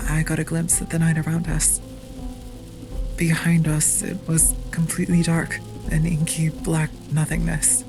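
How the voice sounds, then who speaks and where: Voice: mid-range voice, gravelly, natural voice, poor audio. An actor playing a frightened teenage captive, narrating an audio drama in a somber, dramatic way. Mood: uneasy, dazed. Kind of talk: scripted first-person audio drama narration. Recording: music bed under the voice.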